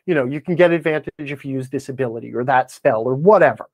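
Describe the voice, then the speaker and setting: A man speaking as a podcast guest, giving opinionated, emphatic explanations in conversation and often checking in with a quick okay or right. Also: mid-range voice, a little mellow, no room sound, lo-fi sound. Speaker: podcast guest, game design commentator.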